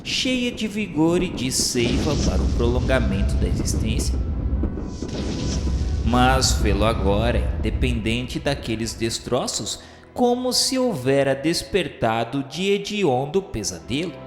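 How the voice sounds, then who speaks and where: A man's voice: medium pitch, very animated, measured pace. A Brazilian man narrating a radio novel in a solemn, dramatic, grandiloquent literary style, with formal declamation. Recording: echoey, long reverb, music underneath. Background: music.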